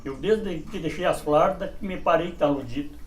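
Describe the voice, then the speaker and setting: A man's voice: on the high side, brisk, roomy sound, slight background noise. A man with a southern Brazilian gaucho accent telling a short story and reciting verse. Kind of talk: documentary interview and verse recital.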